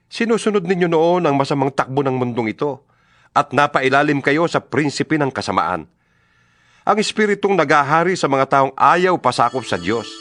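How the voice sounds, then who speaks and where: Background music runs under a scripture reader voicing Paul, the apostle who wrote fervent letters to believers. The clean studio sound has no echo, and his medium-pitched voice is fairly bright. He reads in a scripted, declamatory way that is solemn and exhortatory, phrasing each line deliberately.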